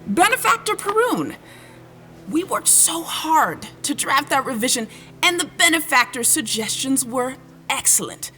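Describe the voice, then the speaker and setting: A woman's voice: high voice, very animated, a little slow, bright, forceful tone, heavily acted. A woman acting in an audio drama as an earnest, persuasive, weary negotiator on a future colony planet. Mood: pleading, persuasive. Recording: music under the voice.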